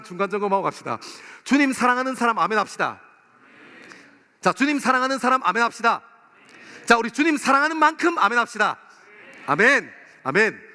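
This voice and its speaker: Man, pastor, high-pitched, very lively intonation, impassioned sermon, direct address. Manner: impassioned, addresses listeners directly with rhetorical questions. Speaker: pastor preaching to a young adult congregation. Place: church worship hall, live service. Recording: long hall reverb of a worship room.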